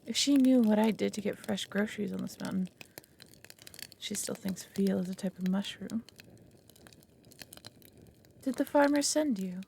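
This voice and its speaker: Casting: a woman acting ancient female dragon, proud, brooding foster mother. Creaky voice, solemn delivery, fantasy audio drama, faint noise behind. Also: medium pitch, moderate pace, pauses often, darkish tone, lightly acted. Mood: guarded, melancholy. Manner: solemn, speaks of herself as "we".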